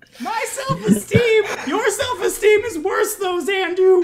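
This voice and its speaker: A man puts on a loud, squeaky character voice pitched extremely high, speaking at a fairly slow pace. Background noise is clearly audible. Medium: actual play. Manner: loud, blurting.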